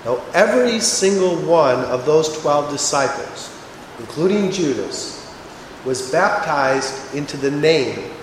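Male pastor, voice struggling, slightly raised pitch, heard in a heavily reverberant hall. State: struggling with his voice. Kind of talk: sermon. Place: church, during a service. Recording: echoey hall with long reverb, clear noise.

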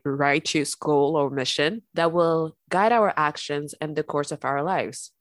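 A woman hosting a spiritual podcast, talking gently and calmly while congested from an illness. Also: sits low, no echo. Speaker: podcast host. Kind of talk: calm spiritual podcast talk.

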